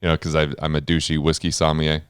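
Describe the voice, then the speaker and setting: Male host, smooth resonant low voice that carries, relaxed interview chat. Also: fast, dry recording, studio quality. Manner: loud, carrying voice. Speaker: podcast host. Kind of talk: casual conversation. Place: indoor room with whiskey and pipes.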